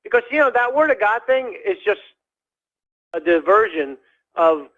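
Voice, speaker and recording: A man calling in to a radio show, rambling in a halting way with many fillers and restarts. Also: high-pitched, big pitch swings. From United States. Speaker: caller. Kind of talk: rambling call-in chat. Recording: dull lo-fi phone call.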